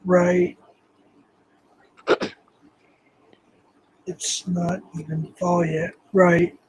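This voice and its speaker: A man hosting a casual livestream, hoarse and losing his voice, rambling and reading the chat aloud. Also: high-pitched, little pitch movement, drawn-out words, poor audio. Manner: rambling, reads chat aloud, frequent ums. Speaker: livestream host.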